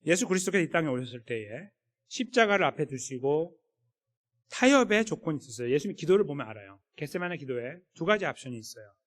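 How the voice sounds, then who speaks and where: A man's voice: on the high side, sing-song, fast. A man preaching a sermon as pastor, in a conversational way that acts out what people might say. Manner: conversational, acts out quoted voices. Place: church sanctuary. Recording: echoey church hall.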